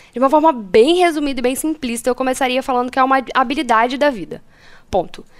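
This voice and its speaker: A woman's high voice at a very fast pace, with ordinary pitch variation. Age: 20s. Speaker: law student and public speaking coach. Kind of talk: casual interview on public speaking.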